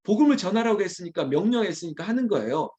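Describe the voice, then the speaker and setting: Man, pastor, morning prayer sermon, higher voice, animated pitch, blunt teasing asides. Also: muffled recording. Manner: candid, teasing scolding with quick apologies; conversational asides to a small congregation.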